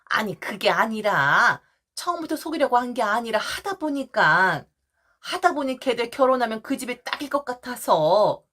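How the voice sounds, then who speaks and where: A defensive, indignant mother-in-law, put on by a woman storyteller. She talks in a high voice that jumps up sharply as she scolds. Her manner is self-righteous and pushy. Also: big pitch swings, normal speed, a bit bright. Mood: flustered pleading. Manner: pleading, then shrill and scolding.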